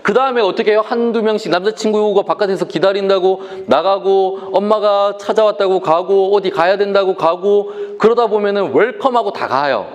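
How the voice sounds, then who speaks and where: A man's voice: high voice, brisk, few pauses. A man in his forties, a pastor, preaching to a young adults' discipleship class and asking the audience questions. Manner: animated, asks the audience questions.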